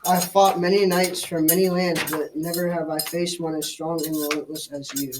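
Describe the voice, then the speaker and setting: A man's voice: fairly high pitch, level tone, normal speed, distant mic, noisy background, close to an everyday voice. A teenage boy playing a stern, commanding Black Knight in a school radio drama, with formal, archaic speech. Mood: challenging.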